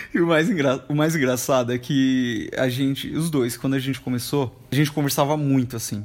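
An ordinary speaking voice from a man, medium in pitch, at a moderate pace with hardly any pauses and fairly even intonation. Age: 20s. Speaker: podcast co-host and social media creator. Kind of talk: casual chat. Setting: home, on a sofa.

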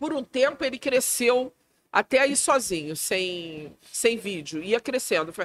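A woman with a fairly high pitch and vocal fry talks very slowly, her pitch swinging very widely, in a dry, close sound with no echo. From Rio de Janeiro, Brazil. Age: 50s. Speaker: chef and restaurant owner. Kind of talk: casual chat.

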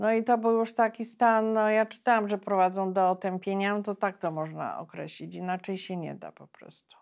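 Here is an unremarkable speaking voice from a woman at medium pitch, going at a fairly quick pace with hardly any pauses. Her intonation stays fairly even while her loudness swings widely. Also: very clean recording, silent background. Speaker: writer and former journalist. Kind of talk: interview conversation.

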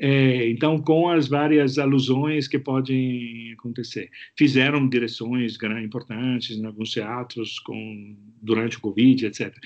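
This man's voice sits at a medium pitch. He talks at a fairly slow pace. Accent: Italian. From Italy. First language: Italian (speaking Portuguese). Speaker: opera conductor. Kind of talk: interview. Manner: halting.

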